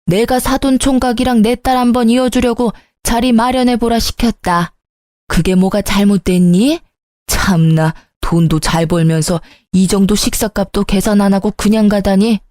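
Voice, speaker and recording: A woman's voice: medium pitch, steady tone, normal speed, darkish tone, dry recording, clean studio sound, close to an everyday voice. A woman playing a scolding mother-in-law. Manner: scolding, reproachful. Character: scolding middle-aged mother-in-law, sharp-tongued.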